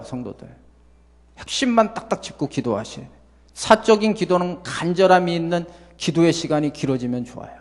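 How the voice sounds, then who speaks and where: Lively preaching pastor, man. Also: fairly high pitch, long reverb tail. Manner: lively preaching, rhetorical questions to the congregation. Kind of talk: sermon. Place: church sanctuary.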